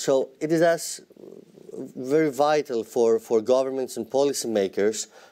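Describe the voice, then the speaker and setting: A man with a Greek accent speaks with lively intonation and a dark, mellow tone against a quiet background. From Greece. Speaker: government official. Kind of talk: conference speech. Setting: stage with audience. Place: hall. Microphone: podium.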